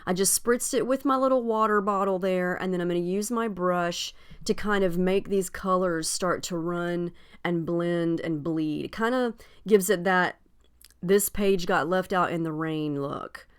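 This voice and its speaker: A woman talks through a crafting project in a relaxed, chatty way, filling her pauses with ums. Her voice is fairly low and smooth underneath, with a slight scratchiness left over from being ill. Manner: chatty, friendly, with frequent ums. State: slightly scratchy voice after illness. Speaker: scrapbooking video host. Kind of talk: casual crafting tutorial narration.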